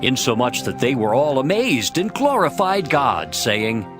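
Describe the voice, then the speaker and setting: A man's voice: medium pitch, sing-song, unhurried. A man narrating a dramatized scripture reading from a script. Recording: music behind the voice.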